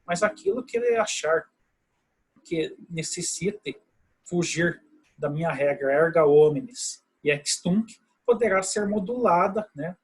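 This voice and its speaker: A man lecturing on law to an online class, patient and explanatory. His voice sits a bit high and has a husky edge, and he keeps turning to his students with short questions. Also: expressive, takes it slowly, low-quality recording. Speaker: law teacher.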